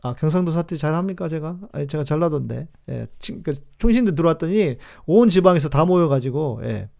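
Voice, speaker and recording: A man's voice: fairly high pitch, animated, a little fast, creaky, darkish tone. A man in his forties, a pastor hosting a live stream, teaches in a chatty, emphatic way, repeating key words and answering viewers' comments as he goes.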